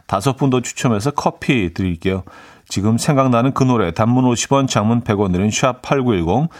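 A man hosting a morning music radio show, chatting in a relaxed way with many small fillers and reading out listener messages in a studio. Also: medium pitch. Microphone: studio microphone.

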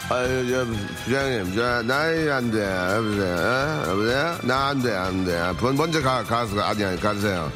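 A man's voice: medium pitch, animated, unhurried, few pauses, music in the background, pitched below the performer's own voice, natural voice. A man voicing a hungover young male office worker who whines and pleads in a radio comedy skit. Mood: pleading.

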